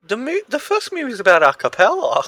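A man's voice: extremely high pitch, wildly swooping pitch, brisk, sharp tone. A man co-hosting a casual podcast chat, rambling, swearing freely and laughing often. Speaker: podcast co-host.

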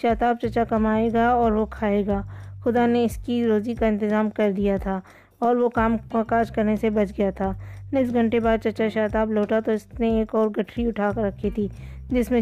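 A woman reading a children's story aloud in a calm, steady way. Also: on the high side, highs cut off. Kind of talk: storybook narration.

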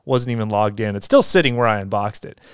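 A man's voice: fairly low pitch, animated, fast, smooth, no room sound, studio quality. A man hosting a casual solo podcast, talking in an upbeat, rambling way with lots of fillers and restarts. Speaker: podcast host.

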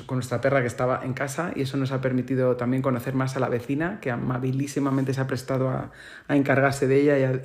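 A man from Spain with a Spain Spanish accent, speaking alone in a reflective, unscripted monologue. His voice sits at an ordinary middle pitch, and he talks thoughtfully, pausing to search for the right word. He sounds like a podcaster musing on his own experiences.

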